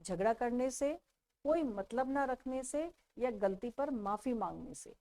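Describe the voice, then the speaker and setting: A woman teaching a children's textbook lesson, repeating each question and answer slowly for young pupils. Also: a little high, animated, warm tone.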